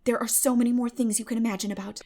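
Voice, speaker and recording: A woman's voice: fairly high pitch, fairly even intonation, very fast, mellow, natural voice. A woman voicing a chatty, earnest country girl full of romantic fancies in an audiobook story. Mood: awed, wistful. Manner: gushing, wordy, earnest. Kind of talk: dramatic audiobook character reading.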